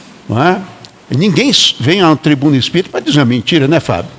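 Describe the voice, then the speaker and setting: A man with a fairly high voice can be heard through noticeable background noise. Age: 70s. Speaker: spiritist lecturer. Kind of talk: sermon.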